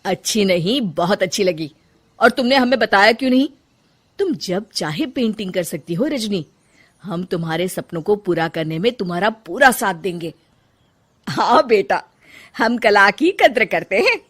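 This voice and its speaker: A woman's voice: medium pitch, animated, a little fast, fairly bright tone. A woman voicing an older mother-in-law in a cartoon story, who gives orders at first and later speaks kindly. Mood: warm. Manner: commanding, then affectionate.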